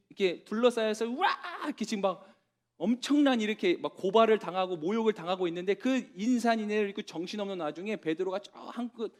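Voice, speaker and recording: A man preaching a sermon as pastor to young adults, telling the story with dramatic pauses and dropping to a soft voice for tender words. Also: sits high.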